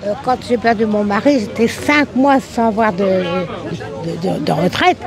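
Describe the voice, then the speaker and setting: A woman's medium-pitched voice with lively intonation, a very slow pace, and crowd noise behind her. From Normandy, France. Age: 80s+. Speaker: passer-by interviewed. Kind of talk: street interview.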